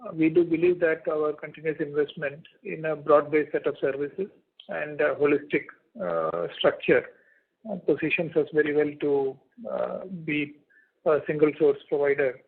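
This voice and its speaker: Husky, high-pitched executive man. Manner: halting, measured, deliberate. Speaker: company executive answering analysts. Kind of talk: unscripted answers on an earnings call. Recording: muffled, lo-fi conference call audio.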